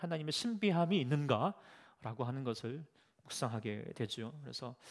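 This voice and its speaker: A man with a fairly high pitch talks at a moderate pace, his pitch swinging very widely. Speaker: pastor teaching Bible study. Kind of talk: lecture.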